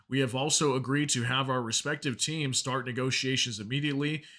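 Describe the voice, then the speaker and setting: A man with a bright, forceful voice at a medium pitch hosts a news commentary. He explains reports informally and reads statements aloud, talking directly to his viewers. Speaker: news commentary channel host.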